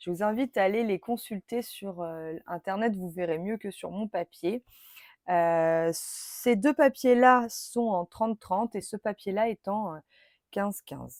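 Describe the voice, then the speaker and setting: A woman at a medium pitch with a very slow pace and ordinary pitch variation, her dry, close sound free of echo on a very clean recording with a silent background. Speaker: crafting demonstrator. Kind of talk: craft tutorial live stream. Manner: hesitant, many fillers.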